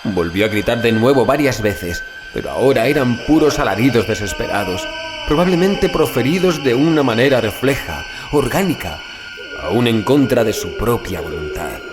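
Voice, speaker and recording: A male narrator delivers a horror audiobook with dramatic gravity. His phrasing is deliberate and literary, and his pitch rises and falls widely around a medium register. Music plays clearly behind his voice. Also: very animated. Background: background music.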